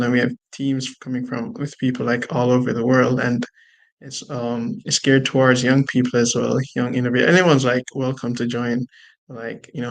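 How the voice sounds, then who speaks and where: A young man talks casually on a video call, halting and stacking fillers. His voice is gravelly with vocal fry. His pitch stays quite flat. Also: rough recording. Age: young adult. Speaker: panelist. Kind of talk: online panel discussion.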